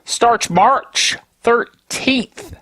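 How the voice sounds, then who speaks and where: A man's voice: very high-pitched, drawn-out words, sharp tone, no echo, low-quality recording. A man hosting a tech show alone, stuffy from a cold, talking casually with grumpy, self-mocking humor. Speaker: podcast host.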